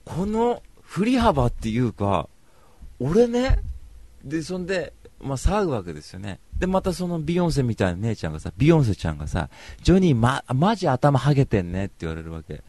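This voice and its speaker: A man hosting a casual monologue, telling stories in a chatty, animated way and slipping into voices. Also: medium pitch, brisk, dry recording. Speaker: podcast host.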